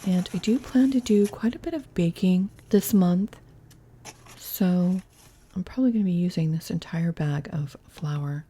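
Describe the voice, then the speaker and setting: A woman's voice: lowish voice, unhurried, warm tone, slightly rough. A woman hosting a home cooking vlog, chatting through each step in a casual, thinking-aloud way from her kitchen. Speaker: cooking channel host.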